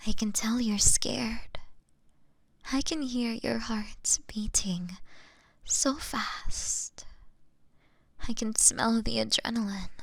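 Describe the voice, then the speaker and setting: A woman playing a gentle, apologetic female vampire struggling with bloodlust in an intimate audio drama, speaking formally and often slipping into breathy whispers. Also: fairly high pitch, dry recording, exaggerated voice.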